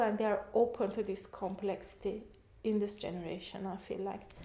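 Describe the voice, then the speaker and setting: At a fairly quick pace, a woman with a fairly high pitch and a dark, mellow tone speaks amid audible room echo. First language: not English or German. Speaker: professor. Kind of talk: interview.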